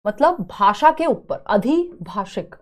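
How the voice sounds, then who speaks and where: A young woman teaching a live online exam-prep class, chatty and teasing, slowly spelling out word examples. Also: a little high, sing-song. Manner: chatty, teasing students between explanations.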